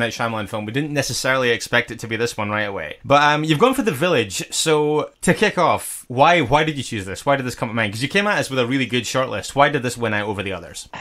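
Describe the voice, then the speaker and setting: This man talks at a very fast pace in a strong Scottish accent, his fairly high pitch moving in lively intonation. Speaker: podcast host. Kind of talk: casual chat.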